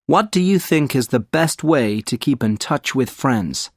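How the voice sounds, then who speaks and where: Male examiner, plain even questions, dry studio read. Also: mid-range voice, unhurried, slightly rough, no room sound. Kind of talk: reading exam questions.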